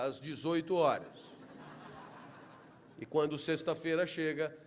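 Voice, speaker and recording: A middle-aged man giving a motivational philosophy lecture, asking rhetorical questions and building to emphatic delivery. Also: on the high side.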